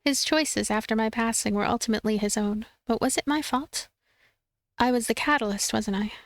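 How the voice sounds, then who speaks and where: A woman reading a visual novel aloud as a let's play streamer, expressive and playful, with commentary. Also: fairly high pitch, normal speed, dry recording, clean studio sound. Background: game music.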